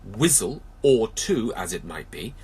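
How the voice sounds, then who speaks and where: A man voicing an earnest, slow-witted, good-natured storybook bear in a ponderous, thoughtful manner. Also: fairly low pitch, big pitch swings, a little mellow, slightly rough, full character voice. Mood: pondering.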